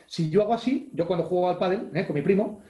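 Spanish-male coach, online webinar, energetic and demonstrative, warm mellow tone, roomy echo over a video call. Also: sits high, fast. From Spain. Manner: energetic, acts out gestures and exclamations, reads chat questions aloud. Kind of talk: live online leadership webinar.

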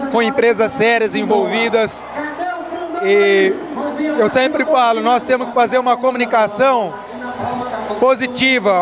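Very high-pitched man at noisy event. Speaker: interview guest from local radio. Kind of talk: promotional interview answers. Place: outdoor rodeo at night. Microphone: handheld interviewer microphone. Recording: music and crowd behind.

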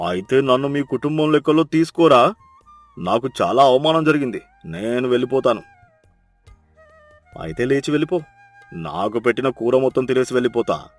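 A man voicing a touchy, food-loving village uncle in an animated moral story, blustering and mock-offended. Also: mid-range voice, normal speed, long pauses, soft background music, close to an everyday voice. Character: touchy, food-loving village uncle who praises his sister's cooking.

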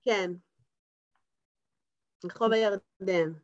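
A woman in her fifties telling neighborhood anecdotes in a lively way on a video call. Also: medium pitch, dull audio. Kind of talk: casual video call chat. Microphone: laptop webcam on a video call.

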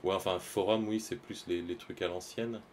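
A man's voice: low-pitched, steady tone, moderate pace, darkish tone, slight background noise. A man, chatting casually and hesitantly with his stream viewers while he draws live, full of fillers and restarts.

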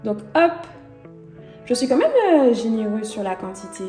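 A young woman vlogger talking casually as she cooks at home, chatty and relaxed, with fillers and small laughs. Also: fairly high pitch, moderate pace, echoey room, soft background music. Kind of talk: casual cooking commentary. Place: home kitchen.

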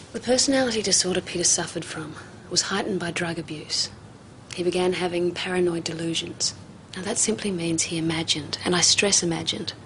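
An actress playing a psychiatrist who speaks calmly and patiently. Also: female voice, fairly low pitch, close to an everyday voice. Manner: calm, measured, explaining patiently. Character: calm, measured female psychiatrist, middle-aged. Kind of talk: television drama acting. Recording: noisy TV soundtrack.

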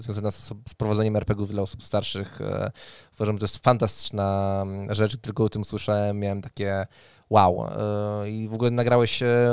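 A man in his thirties hosting a casual podcast, speaking haltingly into a close studio mic. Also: lowish voice, darkish tone, clean tone, no room sound. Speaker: podcast host. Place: indoor home studio room. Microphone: close studio mic on arm.

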